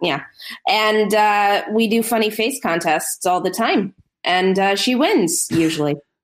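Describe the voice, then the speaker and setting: A woman speaks in a plain, everyday voice with an American accent at medium pitch. Her intonation is lively and her pace fairly slow. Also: very even loudness. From United States. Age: 30s. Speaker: journalist. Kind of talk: casual chat.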